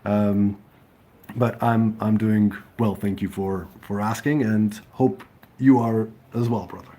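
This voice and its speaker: Slow, mellow man chatting live. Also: on the low side, fairly even intonation. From Serbia. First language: Serbian. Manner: hesitant, many ums and restarts. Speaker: livestream host. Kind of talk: casual live chat reading comments.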